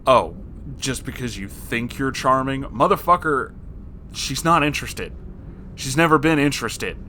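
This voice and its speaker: A man reading a story aloud as host and reacting to it, with an expressive, exasperated and sarcastic manner. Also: mid-range voice, a little slow, slight background noise. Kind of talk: story narration with reaction commentary.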